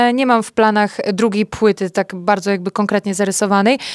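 A woman speaks at a fairly quick pace. The background is quiet and the sound is dry, with no echo. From Poland, Białystok; Poland. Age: 20s. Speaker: singer; interview guest. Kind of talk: radio interview; interview answer. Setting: radio studio. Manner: hesitant, many fillers. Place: studio. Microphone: handheld.

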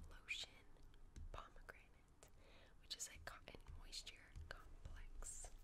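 Very slowly, a woman says her words. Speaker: ASMR creator. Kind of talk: ASMR roleplay, personal attention. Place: home room. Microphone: studio mic.

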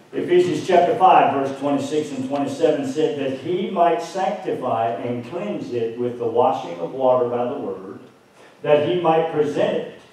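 Against strong room echo, a man speaks with lively intonation. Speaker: pastor. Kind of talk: sermon. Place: church. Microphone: camera far.

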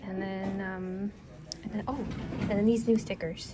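A woman talks with noticeable background noise behind her. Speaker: illustrator vendor. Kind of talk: casual vlog chat. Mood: cheerful. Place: hall. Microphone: phone near.

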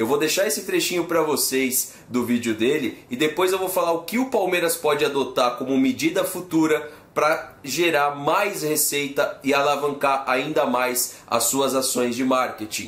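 A man's fairly high voice at a moderate pace with hardly any pauses, ordinary pitch variation and audible room echo. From Brazil. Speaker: YouTube football commentator. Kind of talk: casual live-stream commentary. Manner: animated. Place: home room.

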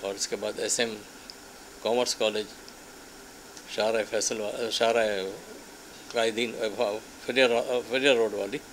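Long, frequent pauses break up the monotone, flat intonation. Light background noise can be heard. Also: man, medium pitch for a man. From Pakistan, Karachi; Pakistan. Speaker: lawyer and spiritual figure; lawyer. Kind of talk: interview. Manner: slow, soft-spoken. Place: home room. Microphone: handheld.

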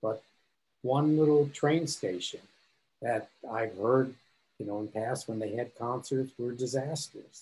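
A man's somewhat breathy voice with a dark, mellow tone, fairly slow pace, long, frequent pauses, ordinary pitch variation and light background noise. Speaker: audience member asking questions; audience member. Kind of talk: Q&A question. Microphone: video call.

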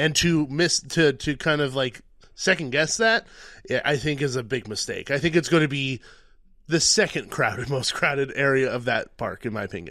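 A man's fairly high voice has a bright, sharp tone and ordinary pitch variation at a moderate pace. The sound is dry with no echo, over a quiet background. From Mexican heritage. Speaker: theme park content creator. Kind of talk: casual chat. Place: home room. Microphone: studio mic.

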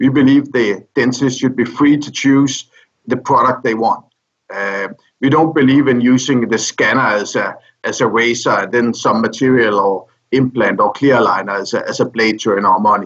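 A man with a Danish accent, moderate pace and ordinary pitch variation against a quiet background. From Denmark. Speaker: dental tech company executive. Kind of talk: interview. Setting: dental convention in Chicago. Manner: halting, many fillers. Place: office. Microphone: video call.

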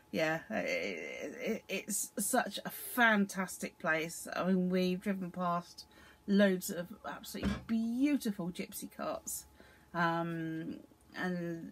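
A woman talks very slowly with ordinary pitch variation as music plays behind her. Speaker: travel vlogger. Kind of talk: casual vlog chat. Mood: cheerful, amused. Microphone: phone near.

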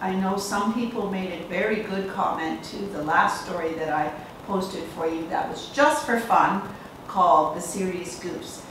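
A woman speaks at a fairly slow pace with ordinary pitch variation. Strong room echo surrounds her, and noticeable background noise is present. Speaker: teacher reading to pupils. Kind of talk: storytelling read-aloud to children. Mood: warm, encouraging. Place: home room. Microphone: camera far.

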